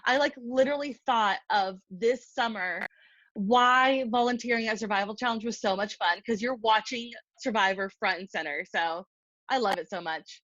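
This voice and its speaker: A woman's voice: medium pitch, moderate pace, a bit bright, no echo. Giggly chatty woman, lo-fi dry sound. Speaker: podcast co-host. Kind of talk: casual chat.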